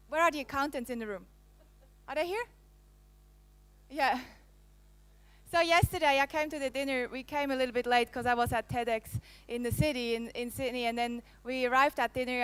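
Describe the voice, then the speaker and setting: A woman's voice: a little high, steady tone, normal speed, long pauses, a bit bright, clear, resonant tone, no echo. A woman in her thirties from Switzerland, with a Swiss-French accent, giving a conference talk on a handheld microphone, playful and teasing her audience. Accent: Swiss, with some French. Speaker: conference speaker. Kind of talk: live keynote presentation. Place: conference hall.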